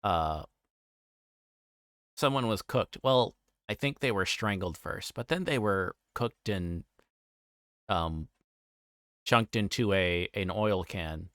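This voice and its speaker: A man livestreaming, reading a visual novel aloud and chatting casually to viewers with halting, rambling asides. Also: deep voice, fairly bright tone, no echo, clean studio sound.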